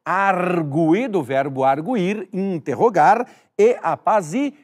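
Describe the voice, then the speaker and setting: High, lively teacher man. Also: slow pace. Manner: emphatic, repeats key words, addresses viewer directly. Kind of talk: recorded exam-prep lesson.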